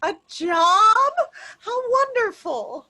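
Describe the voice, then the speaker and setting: A woman acting a cheery, flustered suburban mother, sweet and excitable, in a comedy table read. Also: very high voice, extremely slow, heavily acted. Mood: cheery, delighted. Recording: remote virtual table read call.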